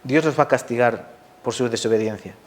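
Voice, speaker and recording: A man preaching a sermon, lively and full of rhetorical questions to the congregation. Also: medium pitch, fairly quick. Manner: lively, asks the audience rhetorical questions, acts out quotes.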